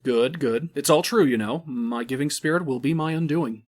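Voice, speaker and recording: A man's voice: mid-range voice, moderate pace, darkish tone, natural voice. Casting: male actor as ruthless loan shark for audio drama, smugly cruel, condescending false courtesy that flips to menace. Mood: smug, silky. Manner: mock-courteous and condescending, erupting into menacing outbursts.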